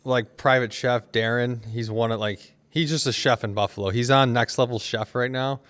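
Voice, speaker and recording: A man co-hosting a casual talk show, explaining things in a halting way and repeating himself. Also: medium pitch, steady tone, a bit bright. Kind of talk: casual chat.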